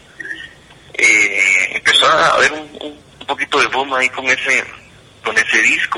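Noticeable background noise accompanies a man speaking at a fairly slow pace. He leaves long, frequent pauses. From Guatemala, Quetzaltenango. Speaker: singer-songwriter. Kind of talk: interview. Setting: remote call.

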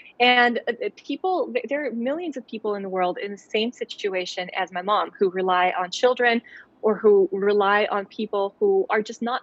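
Speaking at a moderate pace, a woman has a fairly high pitch and an unremarkable speaking voice. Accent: American. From United States. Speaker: lawyer and legal translator. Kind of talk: interview.

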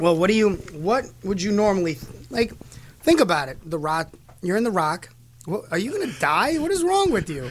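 This is a man with a high-pitched voice and an American accent. His pitch swings very widely. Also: moderate pace. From New York City. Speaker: radio host. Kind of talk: live radio show banter. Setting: community radio studio. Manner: animated, boastful showman.

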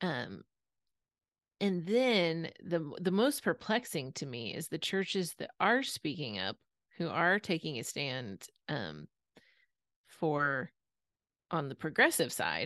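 Against a quiet background, a woman speaks at a very slow pace with a fairly low pitch, vocal fry, very wide pitch swings and long, frequent pauses. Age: 30s. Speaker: journalist and author. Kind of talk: interview.

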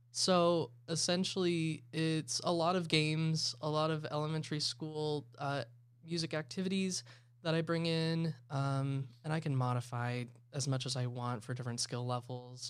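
A man with an American accent speaks at a fairly high pitch, in a plain, everyday voice. The recording is very clean, with a silent background. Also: ordinary pitch variation, moderate pace. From Oklahoma City. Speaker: music teacher. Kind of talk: casual chat.

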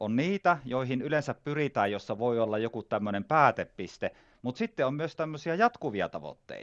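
With a Northern Ostrobothnian accent, a man speaks at a moderate pace in a medium pitch, his intonation lively. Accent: Haapajärvi dialect. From Finland, Haapajärvi (Northern Ostrobothnia). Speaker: coach and author. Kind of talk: podcast interview. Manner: animated, enthusiastic.

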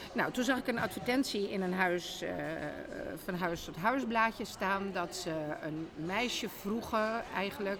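Against noticeable background noise, a woman talks at a fairly slow pace and medium pitch, with ordinary pitch variation. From Netherlands, Texel. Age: 60s. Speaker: film trade magazine publisher. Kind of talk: interview. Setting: bistro at a railway station.

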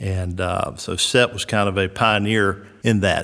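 With a Southern US accent, a man speaks at a fairly low pitch with fairly even intonation. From South Georgia, raised in North Carolina from mid-teens. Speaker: recreation director at a resort. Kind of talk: interview answers.

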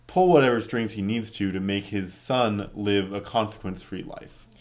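A man with an American accent has a plain, everyday voice, fairly low in pitch, with ordinary pitch variation. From Oklahoma. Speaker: podcast co-host. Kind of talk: casual chat.

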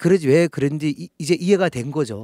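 A man with a fairly high pitch and lively intonation at a fairly slow pace, in a very clean recording with a silent background. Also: dry, close sound with no echo. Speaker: band member interviewed. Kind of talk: interview and live music chat. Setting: studio.

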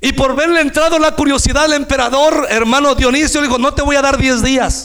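A man is speaking. His pace is moderate. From Mexico, Nayarit. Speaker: preacher. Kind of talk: sermon.

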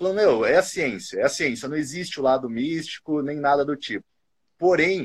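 Delivered in a normal speaking voice, the speech moves at a moderate pace with ordinary pitch variation. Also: man. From Curitiba, southern Brazil. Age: 20s. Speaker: caller. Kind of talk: casual chat.

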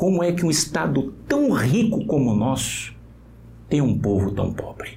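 Fairly slow speech comes through with audible room echo and noticeable background noise. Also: man. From central Brazil (Goiás/Tocantins). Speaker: businessman and politician. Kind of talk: interview.

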